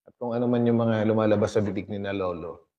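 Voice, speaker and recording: A man's voice: on the low side, steady tone, fast talker, dark tone, lo-fi sound. A man hosting a casual gossip vlog, reading posts aloud and laughing often.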